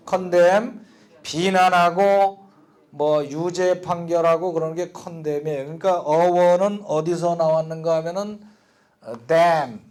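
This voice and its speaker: A man's voice: sits high, darkish tone. An older man teaching an English speaking lesson from Bible verses, joking and repeating words for the class to drill.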